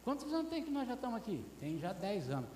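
A man's voice: high voice, big pitch swings, quick pace, dark tone, roomy sound, big-room sound, a little hiss or hum, voice pushed up. A man voicing a weary Israelite man grumbling about the long desert journey. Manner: complaining, exasperated sighs.

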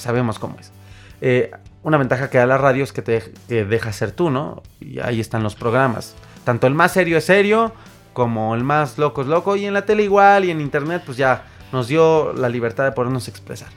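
A man with a Mexican accent, a podcast host and singer, telling stories in a casual, animated monologue full of fillers and restarts. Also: medium pitch, brisk, faint music behind. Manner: animated storyteller, acts out quoted voices, frequent fillers and restarts.

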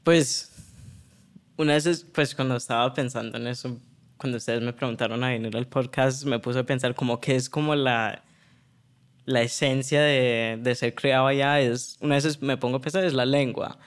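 A man, talking as a podcast guest and pausing often with fillers and restarts. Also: mid-range voice, steady tone. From New York, United States. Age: 20s. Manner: hesitant, many fillers and restarts. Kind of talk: casual conversational interview.

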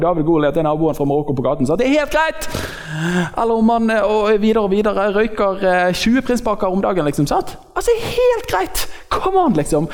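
A man preaching an informal sermon in a church hall, joking and slangy, acting out quotes from other people. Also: high-pitched. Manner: lively, joking, acts out quotes in slangy speech. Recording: long hall reverb.

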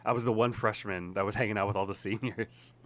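Young man telling stories in a low voice. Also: quick pace. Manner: animated storytelling with frequent laughs. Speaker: guest YouTuber. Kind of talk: casual podcast chat.

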